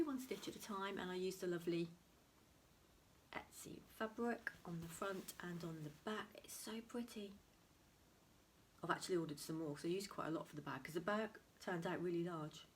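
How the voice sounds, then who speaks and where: A woman, chatting casually to camera about her crafts, slightly nasal from a cold and often half-whispering. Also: fairly low pitch. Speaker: crafting vlogger. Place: home room beside a window, heavy rain outside. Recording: faint rain noise.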